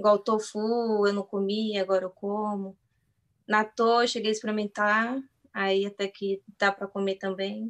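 At a fairly slow pace, a woman talks with monotone, flat intonation at a medium pitch against a quiet background. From Brazil. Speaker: worker living abroad. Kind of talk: casual chat.

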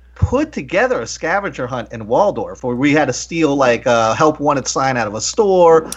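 A man's normal speaking voice, fairly high in pitch, with an American accent, a fairly quick pace and hardly any pauses. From Maryland, US. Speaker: podcast host. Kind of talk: casual chat.

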